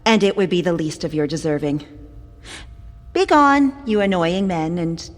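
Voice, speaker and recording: A woman's voice: lowish voice, animated, moderate pace, big-room sound, natural voice. An actress playing a haughty, icy female servant of the underworld in an audio drama, formal and disdainful. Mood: scornful.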